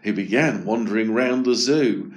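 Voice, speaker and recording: A man narrating a children's story aloud. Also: lowish voice. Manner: slow, expressive storytelling.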